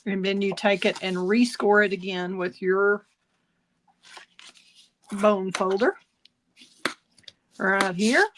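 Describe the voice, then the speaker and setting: A woman's voice: medium pitch, fairly even intonation, takes it slowly, long pauses, fairly bright tone. Woman showing how to make a card, casual and chatty, bit of a cough, faint hiss and clicks behind. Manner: chatty, self-correcting, laughs at own jokes. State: slight cough. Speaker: card-making instructor. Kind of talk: casual craft tutorial.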